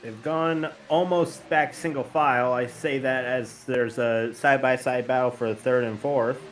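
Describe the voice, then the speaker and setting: A man doing casual play-by-play commentary for an online truck race, relaxed and correcting himself as he goes. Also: medium pitch, moderate pace, slight background noise. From northern United States.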